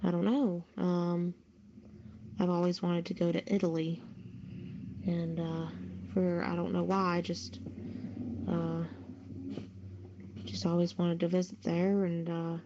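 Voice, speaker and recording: A woman's voice: on the low side, level tone, slow, long pauses. An American woman chatting casually on a podcast in a hesitant, noncommittal manner. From United States. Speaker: podcast panelist. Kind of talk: casual chat. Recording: dull lo-fi voice call, background noise.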